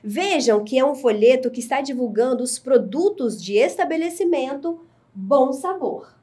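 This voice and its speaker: A woman teacher giving a recorded lesson to adult learners, explaining slowly and clearly. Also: high-pitched, lively intonation, warm tone. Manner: slow, clear, deliberate explaining.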